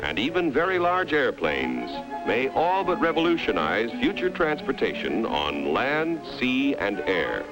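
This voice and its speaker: An American man narrating a scripted 1950s educational film in an emphatic, dramatic manner with deliberate pauses. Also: medium pitch, low-quality recording.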